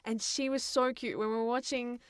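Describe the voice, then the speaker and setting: A woman's voice: on the high side, steady tone, moderate pace, clean tone, dry recording, studio quality. A young woman co-hosting a podcast, talking about films and games in a casual, chatty and conversational way. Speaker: podcast co-host.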